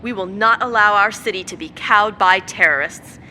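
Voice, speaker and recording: A woman's voice: mid-range voice, normal speed, a little hiss or hum, close to an everyday voice. A woman playing a combative, self-righteous politician running for mayor, speaking in pompous, cutting speeches in an audio drama. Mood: defiant, righteous. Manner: forceful, pompous public speechmaking with cutting insults.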